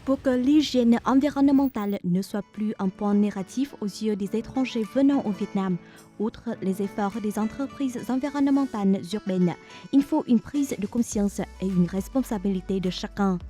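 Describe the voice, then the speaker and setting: A woman reads a news report from a script. Her voice is mid-pitched and mellow, with faint music behind it. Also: normal speed.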